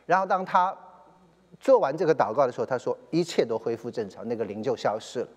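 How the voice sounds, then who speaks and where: A man's voice: mid-range voice, expressive, fast, big-room sound. A man, a church elder, retelling a story in a sermon, with many fillers and English phrases slipped in.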